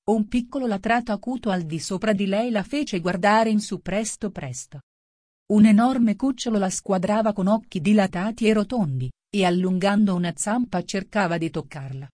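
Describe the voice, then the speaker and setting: A woman's voice: medium pitch, a little mellow, no room sound, clean studio sound. A woman narrating a storybook as an audiobook reader, sometimes reading punctuation marks aloud. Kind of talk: scripted narration.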